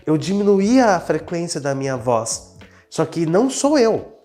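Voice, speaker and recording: A man's voice: fairly high pitch, big pitch swings, a little slow, dark tone, soft background music. A man with a Brazilian Portuguese accent, a business owner sharing personal experiences in an earnest, casual conversation. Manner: earnest, personal, self-reflective storytelling.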